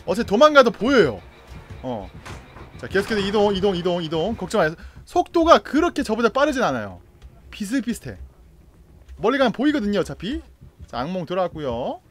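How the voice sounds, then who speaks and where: A young man streaming a horror game, giving excited, playful commentary and jokingly pleading with the killer. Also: sits high, brisk. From Korea. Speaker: gaming streamer. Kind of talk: excited live gameplay commentary.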